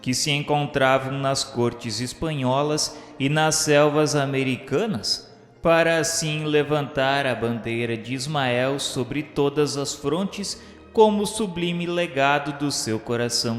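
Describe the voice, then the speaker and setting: A man's voice: medium pitch, a little slow. A man narrating a scripted radio drama in a solemn, literary manner. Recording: echoey reverberant production, music bed. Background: music.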